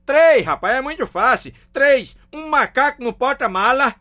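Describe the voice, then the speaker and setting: A middle-aged man with a Northeastern Brazilian accent telling crude jokes in a lively, slangy style. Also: very high-pitched, a little slow. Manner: lively storyteller, slangy, laughs at own punchlines, acts out squealing women. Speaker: joke teller.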